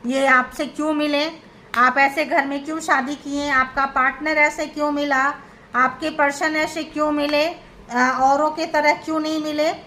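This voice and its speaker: A woman's voice: high-pitched, pushed and bright, a little hiss or hum. A woman giving a tarot reading to the viewer, dramatic and repetitive, speaking directly to them. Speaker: tarot reader.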